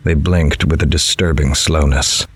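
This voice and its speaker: An actor playing a grave, observant newspaper reporter, narrating a horror audio drama in the first person in a measured, literary way. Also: male voice, rumbling low, fairly even intonation, breathy edge, no room sound, clean studio sound, heavily acted. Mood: somber. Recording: music behind the voice.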